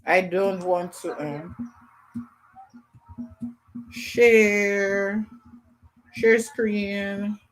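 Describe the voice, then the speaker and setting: A woman's voice: mid-range voice, fairly even intonation, extremely slow, pauses often, faint music behind. A woman hosting a casual livestream call-in, chatting loosely and greeting viewers by name. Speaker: livestream host.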